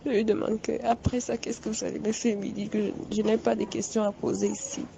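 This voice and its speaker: A young adult woman giving a personal testimony, recounting events in a halting, repetitive, shaken way. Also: mid-range voice, flat delivery, creaky. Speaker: witness recounting an assault. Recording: dull lo-fi recording with faint background noise.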